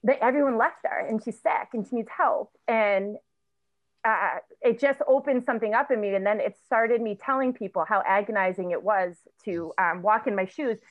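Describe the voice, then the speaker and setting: A woman in her thirties, a recovery coach, speaking candidly as an interview guest, halting with many fillers and restarts. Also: mid-range voice, dry recording. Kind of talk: emotional personal storytelling in an interview. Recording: tinny phone-like line, dry.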